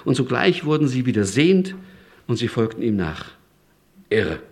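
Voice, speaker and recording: A man preaching a sermon, lively and emphatic, often rising sharply in pitch and loudness. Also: moderate pace.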